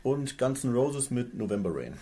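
A man in his forties, a company director, answers interview questions, often pausing on fillers. His voice is dark and mellow at a middle pitch. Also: big pitch swings, a little hiss or hum. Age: 40s. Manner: hesitant, many fillers. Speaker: company director, radio guest. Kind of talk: radio interview.

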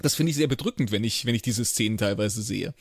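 A man's voice: on the low side, fast talker, breathy edge, dry recording, studio quality. A man co-hosting a podcast, speaking thoughtfully with some fillers. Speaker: podcast host. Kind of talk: casual podcast discussion.

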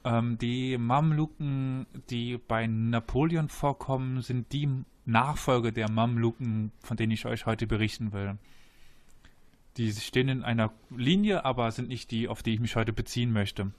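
A man hosting a relaxed history podcast. He explains in a mid-range voice, often pausing with "ähm" and restarting sentences, and stops now and then to quiz his two guests. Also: medium pitch. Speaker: podcast host. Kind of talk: casual history podcast talk.

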